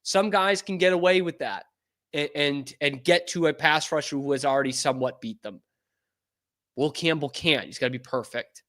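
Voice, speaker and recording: A man from New England hosting a sports show, talking casually and getting excitable and profane. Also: a little high, moderate pace.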